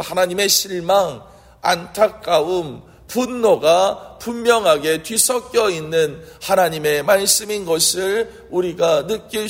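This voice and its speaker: A man's voice: high-pitched, breathy edge. A man preaching a sermon as a pastor, earnest and fervent, asking rhetorical questions. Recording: long hall reverb.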